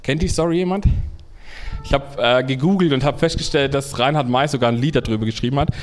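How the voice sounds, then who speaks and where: A man preaching a sermon to a congregation, earnest and halting, often restarting his phrases. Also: medium pitch, slight background noise.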